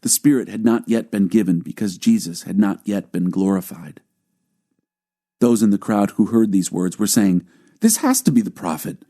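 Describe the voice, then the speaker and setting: Very dark-voiced male scripture narrator. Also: fairly low pitch, steady tone, normal speed. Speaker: audiobook narrator.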